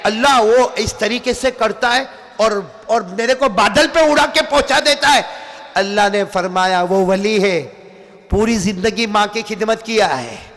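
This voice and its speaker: A tired man preaching a religious sermon to a gathering, making the crowd repeat after him and swinging between shouted lines and hushed low ones. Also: measured pace. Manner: call-and-response, urging the crowd to repeat. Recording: long hall reverb.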